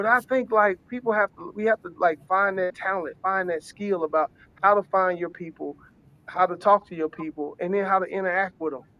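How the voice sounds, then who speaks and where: Here a man with an American accent speaks at a high pitch. His loudness swings a great deal. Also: fairly quick pace. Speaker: health show guest. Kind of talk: panel discussion. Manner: animated.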